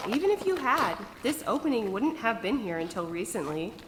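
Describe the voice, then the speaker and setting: A woman's voice: a little high, big pitch swings, brisk, noisy background. A woman acting a playful, adventurous character in a naturalistic audio drama, wry, teasing and unbothered. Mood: teasing, eager.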